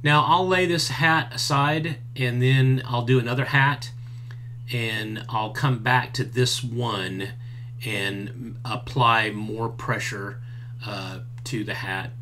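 Slow-talking guy in his 50s showing how he does a craft, laid back, lots of uhs, faint hum behind. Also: mid-range voice. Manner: relaxed and chatty, many fillers. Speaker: maker teaching a craft. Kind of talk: hands-on tutorial. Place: indoors at a workbench, later outdoors by a farm fence.

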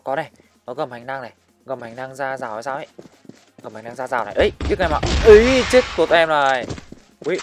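A man giving live commentary over his own shooter match, excitably calling out enemies and urging his teammates on. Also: mid-range voice. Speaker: gaming channel host.

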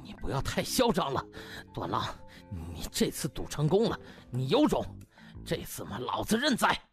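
A man's voice: mid-range voice, huge pitch swings, moderate pace, soft background music. A man voicing a humiliated, furious hospital vice director in an audiobook, sputtering and stammering with rage. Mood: seething.

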